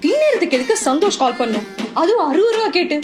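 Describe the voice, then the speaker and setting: Young woman acting, jealous girlfriend in a comedy short, insistent, very high swooping voice, echoey sound. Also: sing-song, fast talker. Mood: accusing. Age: young adult. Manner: suspicious, insistent, repeats herself. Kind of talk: emotional colloquial phone dialogue. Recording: echoey room under loud music.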